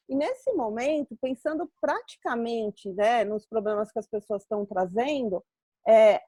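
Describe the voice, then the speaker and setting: A woman's voice: high voice, darkish tone, no room sound, studio quality. A Brazilian woman hosting a live webinar, explaining in an earnest, reflective way with personal examples over a video call. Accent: Brazilian Portuguese. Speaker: webinar host.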